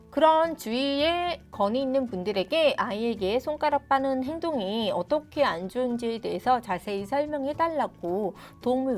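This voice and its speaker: A middle-aged woman hosting a parenting channel, explaining advice to viewers in a friendly, direct way, with soft music underneath. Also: fairly high pitch. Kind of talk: advice talk to camera.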